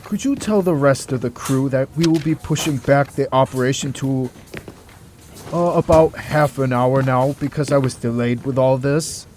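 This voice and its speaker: An actor playing an earnest, overworked hospital doctor in an audio drama, articulate and patient with some exasperation. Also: male voice, mid-range voice, normal speed, a little mellow, slight background noise, lightly acted. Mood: weary.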